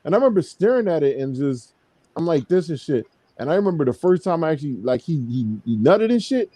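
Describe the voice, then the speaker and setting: A man with a somewhat high voice that swings widely up and down as he spins a profane story on a podcast. He laughs often and talks loosely over a video call stream. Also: very animated, quick pace, mellow, no room sound. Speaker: podcast host. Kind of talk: casual storytelling chat.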